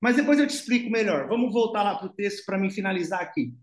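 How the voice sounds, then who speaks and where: A man's voice: high voice, lively intonation, fast, reverberant. A man giving a conversational devotional Bible lesson, explaining step by step and speaking directly to his listener. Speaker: devotional teacher. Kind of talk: informal Bible teaching.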